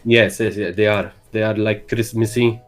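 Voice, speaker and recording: A man's voice: level tone, moderate pace. A young man from Malta with a Maltese accent, a guest in a casual interview, talking hesitantly with many fillers. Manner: hesitant, many fillers, calls his own voice bassy. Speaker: guest streamer.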